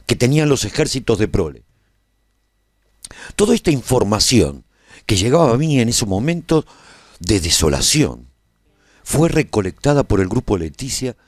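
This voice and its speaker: A man's voice: mid-range voice, a little mellow, no echo. A male actor playing a weary, nostalgic warrior who survived the end of the world, narrating his saga in a solemn, theatrical radio drama style. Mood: grave, mysterious. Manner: solemn, brooding, theatrical delivery. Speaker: narrator and protagonist of a radio serial.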